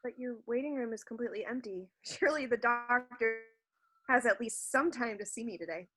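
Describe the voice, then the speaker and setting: A woman acting as a desperate playwright in a comedy sketch, her voice fairly high. She is hesitant and anxious, pleading with melodramatic feeling. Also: fairly quick, fairly bright tone, faint music behind. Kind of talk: comedy sketch staged reading.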